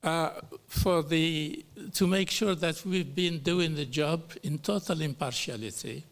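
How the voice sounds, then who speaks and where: A middle-aged man from Algeria giving a formal speech as a panel speaker at a human rights hearing, slow and deliberate, with pauses and fillers. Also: a little high.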